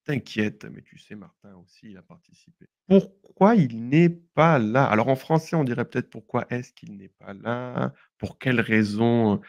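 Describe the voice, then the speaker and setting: A young man from southwest France, a French teacher co-hosting a podcast, walks through everyday expressions in a casual lesson, explaining patiently and laughing often in a friendly, conversational tone. His voice is medium-pitched and gravelly, at a moderate pace with few pauses and no room sound.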